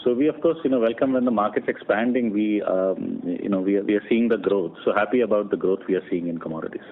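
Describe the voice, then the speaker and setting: A man's voice: on the low side, quick pace. Man on a noisy, narrow phone line. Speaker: company executive answering analysts' questions. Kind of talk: earnings call question-and-answer, unscripted. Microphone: conference phone call.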